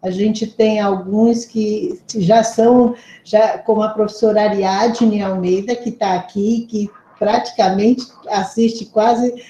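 A woman organizer giving slow, hesitant, complimentary closing remarks at an online lecture over a video call. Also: medium pitch, steady tone, warm tone, echoey room, poor audio. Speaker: event organizer.

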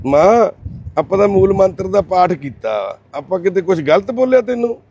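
Soft-spoken man coaxing gently. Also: high voice, big pitch swings, normal speed, husky, highs cut off. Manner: coaxing, soothing, repeats himself softly. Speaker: charity volunteer host. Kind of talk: gentle on-site conversation.

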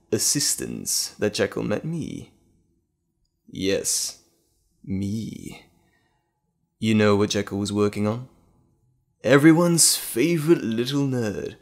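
Casting: sinister evil-twin villain for audio roleplay, slow, savoring pace, highly animated pitch, mocking and gloating. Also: male voice. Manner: mocking, drawn-out, theatrical delivery with chuckles. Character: gloating, sinister male evil alter ego, theatrical villain.

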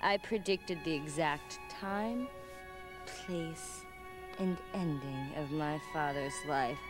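An actress playing a scornful, wounded young gypsy psychic in a dramatic video game cutscene. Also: female voice, low voice, slow. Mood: scornful, bitter. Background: music.

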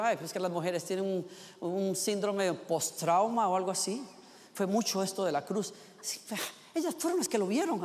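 A man preaching a sermon in an impassioned, emphatic way, with a lot of repetition and acted-out voices of doubters. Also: extremely high pitch. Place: large church auditorium. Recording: reverberant hall.

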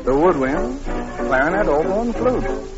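A man's voice: high-pitched, sing-song, a little slow. A man doing 1930s radio variety show patter and song, welcoming the star. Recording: dull old 1930s radio recording. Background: loud band music.

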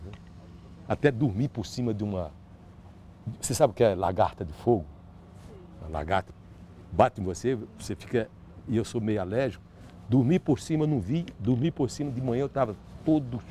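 An older man with a Northeastern Brazilian accent recounts a memory in an interview, gesturing as he talks and often restarting his sentences. His voice is mellow and warm, picked up on a lapel mic outdoors, with a faint background hum. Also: mid-range voice. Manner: animated storytelling with many restarts and gestures. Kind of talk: recounting a personal story. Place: outdoor terrace by a park.

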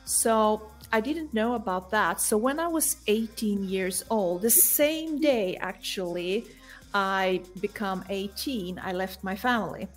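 A woman's voice: medium pitch, lively intonation, a little slow, soft background music. A middle-aged woman from Sweden with a Swedish accent, telling her story conversationally as an interview guest on a video call. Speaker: guest, coach. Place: home room indoors.

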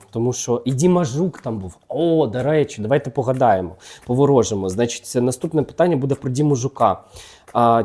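Mellow-voiced man dishing gossip. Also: medium pitch. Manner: chatty and teasing, talks directly to celebrities. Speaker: gossip channel host reading tarot cards. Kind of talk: casual gossip chat.

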